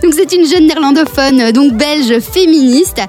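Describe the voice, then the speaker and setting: A woman's voice: high-pitched, normal speed, darkish tone, soft background music. A woman from Belgium hosting a radio show in casual chat, playful and laughing often.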